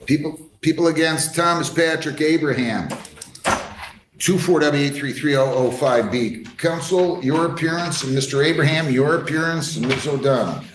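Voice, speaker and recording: A man's voice: medium pitch, a little hiss or hum. A man presiding as judge, blunt and scolding, heard in a courtroom recording. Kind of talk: presiding over a court hearing. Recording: echoey courtroom audio.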